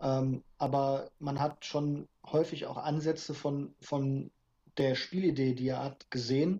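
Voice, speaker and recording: Very slowly and in a flat monotone, a man speaks with a fairly high pitch and a dark, mellow tone. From Germany, Düsseldorf. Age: 20s. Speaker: football fan. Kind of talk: interview.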